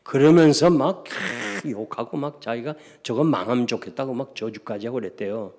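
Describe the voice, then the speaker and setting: A Korean man preaching a revival sermon, telling stories and swinging between hushed asides and loud exclamations. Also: mid-range voice, brisk. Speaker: pastor. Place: church sanctuary. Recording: long church reverb.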